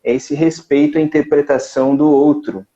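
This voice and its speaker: A man hosting a live-streamed interview, asking measured, reflective questions. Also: fairly high pitch, level tone, warm tone, highs cut off. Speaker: interview host. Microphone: live video stream.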